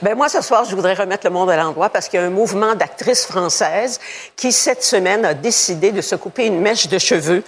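A woman's voice: mid-range voice, a little fast, husky, big-room sound. A woman giving earnest commentary as a radio panelist. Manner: earnest, stumbles over names.

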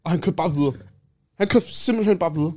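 A man's voice: fairly high pitch, a little mellow. Young male co-host, inquisitive, lighter voice. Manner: curious, asks the group questions. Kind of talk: casual chat.

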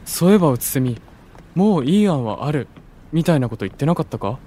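A man's voice: a little high, big pitch swings, fast, mellow. A man playing a cool, blunt young idol with casual, curt and teasing delivery in an anime-style audio drama. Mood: wry.

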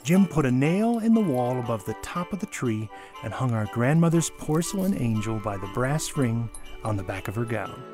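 A man reading a nostalgic memoir aloud as a storyteller, in a dramatic, measured way with deliberate pauses and emphasis. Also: mid-range voice, very animated, over music.

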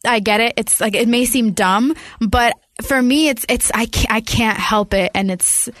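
A woman's voice: on the high side, no echo, studio quality. A woman in her late twenties co-hosting a casual podcast, rambling and laughing as she talks. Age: late 20s. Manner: rambling, animated, quick to laugh. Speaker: podcast co-host. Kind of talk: casual chat.

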